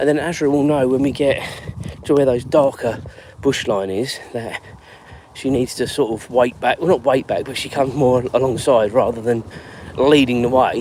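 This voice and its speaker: A man speaks at a moderate pace with a medium pitch and fairly even intonation, over noticeable background noise. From home counties north of London, England. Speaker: dog walker vlogger. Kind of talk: live stream casual chat. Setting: outdoors, walking dog.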